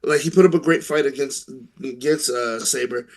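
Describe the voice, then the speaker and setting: A man's voice: medium pitch, normal speed, rough recording. A man co-hosting a wrestling podcast, chatting casually, often stumbling and repeating words as he gathers his thoughts. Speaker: podcast co-host.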